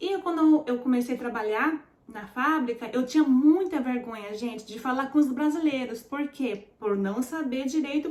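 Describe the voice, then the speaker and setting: Her voice is high in pitch, with ordinary pitch variation. The woman speaks at a fairly slow pace. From Japan. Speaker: vlogger. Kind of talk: casual chat. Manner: conversational, hesitant.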